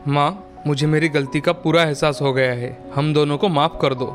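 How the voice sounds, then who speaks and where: A man voicing a caring father and brother in a cartoon story, speaking gently. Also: fairly high pitch, steady tone, normal speed, faint music behind, natural voice. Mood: pleading.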